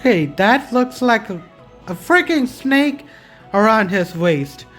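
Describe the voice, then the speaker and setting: Slow-talking woman with lively pitch. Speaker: gaming video creator. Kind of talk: casual gameplay commentary. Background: game music.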